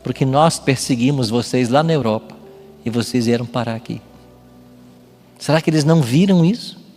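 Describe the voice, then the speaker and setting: A man's voice: medium pitch, moderate pace, darkish tone. Brazilian preacher man in a reverberant hall. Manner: didactic, emphatic, asks rhetorical questions. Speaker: pastor. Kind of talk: sermon, preaching. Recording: long hall reverb with music behind. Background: music.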